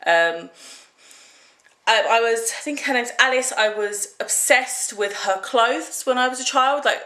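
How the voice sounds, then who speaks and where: A woman's voice: fairly high pitch, unhurried, bright, forceful tone, echoey room, low-quality recording. A young British woman in her twenties, chatting casually and rambling through a haul vlog. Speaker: vlogger.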